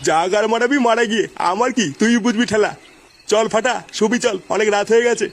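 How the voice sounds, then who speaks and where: A man's voice: sits high, fairly even intonation, fairly quick. A man voicing a grumpy older village father in a comic cartoon, coarse and scolding.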